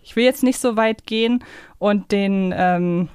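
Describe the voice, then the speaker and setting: A woman's voice: mid-range voice, measured pace, darkish tone, smooth, no room sound, studio quality. A woman chatting casually as a podcast co-host.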